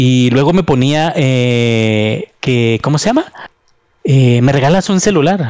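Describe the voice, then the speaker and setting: A man speaks at a very slow pace, keeping his loudness very even. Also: medium pitch for a man, lively intonation. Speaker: content creator. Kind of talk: casual chat.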